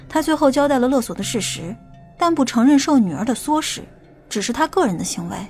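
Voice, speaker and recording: A woman playing a stern, knowing female investigator in an audiobook, with a brisk, assertive manner. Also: sits high, dark tone, breathy edge. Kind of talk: audiobook character dialogue.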